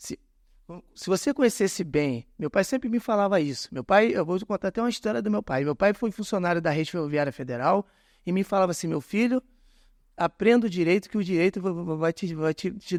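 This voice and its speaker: The recording is very clean with a silent background as a man speaks at a high pitch with lively intonation. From Brazil, Rio de Janeiro. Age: 50s. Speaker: local council candidate. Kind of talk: podcast interview. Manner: halting, with frequent repetitions.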